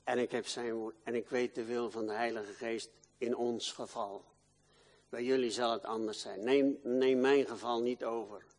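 An older man preaching a sermon in a church, swinging from loud declaiming to quiet, confiding talk. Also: mid-range voice, steady tone, moderate pace, in a large hall.

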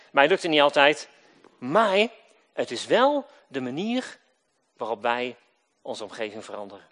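A man preaching a sermon, swinging between loud emphatic lines and quiet low endings, and asking his listeners questions he answers himself.

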